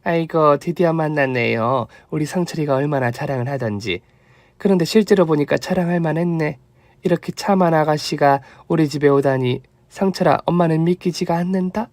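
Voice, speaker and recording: A man doing a gentle, thrifty old mother-in-law. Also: a little high, fairly quick, no room sound, lightly acted. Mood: fond. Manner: soft, fond and gentle.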